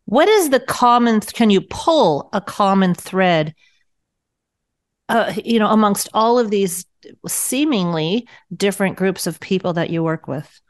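A woman's voice: medium pitch, expressive, a little slow. A woman hosting a radio health show, reading a scripted intro and then asking her guest conversational questions.

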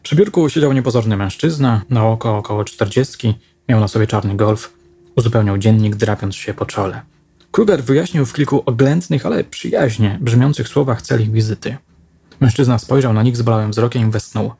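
A man narrating a crime novel audiobook with a steady, even reading. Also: mid-range voice, brisk, vocal fry, husky.

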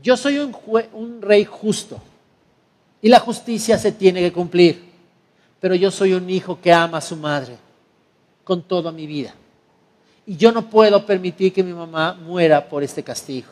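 A man's voice: high voice, measured pace, pauses often, a little mellow. A man voicing a stern but loving island tribal chief who makes firm, solemn proclamations.

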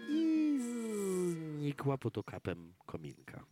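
A man narrating a fairy tale theatrically and deliberately, with strong swings between hushed and loud delivery. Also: on the high side, wildly swooping pitch. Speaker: storyteller in a performed concert radio play. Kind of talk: dramatic fairy-tale narration, live storytelling. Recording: live concert with loud music. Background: loud live instrumental music.

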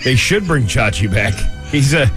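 A man's voice: mid-range voice, big pitch swings, moderate pace. Male radio co-host, faint music behind. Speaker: radio co-host reading entertainment news. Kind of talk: casual morning show banter and celebrity gossip report. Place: radio studio.

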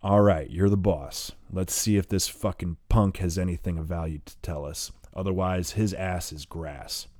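A man voicing a hot-tempered, foul-mouthed armed man who shouts threats. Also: low voice, steady tone, moderate pace, few pauses, no echo, clean studio sound, close to an everyday voice. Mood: menacing.

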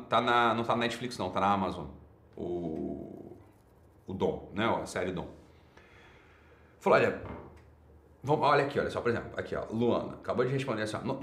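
A man's voice: on the low side, fairly bright tone. Emphatic Brazilian man, roomy echo. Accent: Brazilian Portuguese. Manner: emphatic, repeats key words. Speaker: online talk host. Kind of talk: livestream talk answering chat.

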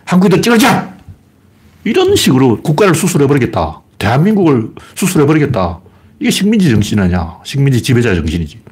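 Very husky Gyeongsang-accented man. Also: mid-range voice, very animated, quick pace, a little mellow. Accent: Gyeongsang dialect. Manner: opinionated, rambling, mocking. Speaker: livestream host. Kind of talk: casual livestream chat, greeting viewers.

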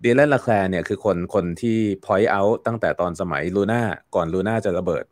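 A man talks through a topic as an interview guest, his voice sitting on the low side. He explains at length, leaning on fillers and repeating words as he thinks. The sound is dry and close. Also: a little slow, darkish tone, dry recording. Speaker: guest commentator. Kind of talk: casual interview talk.

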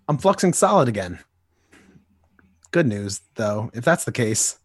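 A man's voice: mid-range voice, sing-song, unhurried, breathy edge, no room sound. A man reading the part of a nostalgic grown-up superhero, talking in earnest first-person monologue. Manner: wistful, earnest inner monologue. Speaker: podcast co-host. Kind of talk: amateur comic dramatic reading.

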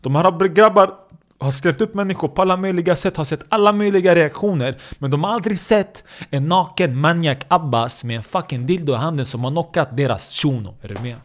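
A man comedian telling a crude comic story, swearing a lot and often checking that the listener is following. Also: on the high side. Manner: profane, animated, checks in with the listener.

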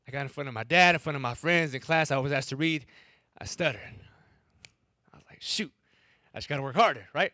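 A young man from Wisconsin shares his story before an audience, stumbling and repeating as his stutter catches him. His voice sits fairly high and sounds bright and forward. The sound is close and dry. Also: no echo. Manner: stutters, repeats words and breaks off syllables. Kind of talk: first-person storytelling to a live audience.

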